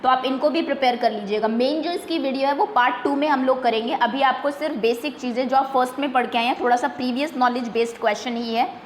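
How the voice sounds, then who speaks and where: High-voiced woman teaching a quiz. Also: roomy sound, slight background noise. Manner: patient, repeats slowly, mixes English terms. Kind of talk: online quiz lesson for young pupils.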